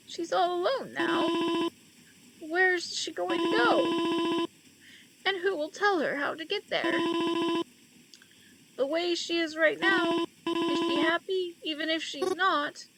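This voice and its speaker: A woman voicing a slow, grieving old mother. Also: very high voice, pitched above the performer's own voice. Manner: slow, tearful, gentle. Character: grieving elderly mother at her daughter's funeral. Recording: loud background noise.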